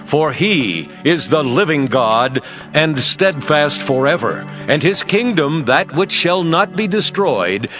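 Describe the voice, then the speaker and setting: A man's voice: a little high, fairly bright tone. A man playing a devout, earnest Persian king, speaking grandly in a dramatized scripture production. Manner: grand, declamatory. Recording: music behind the voice.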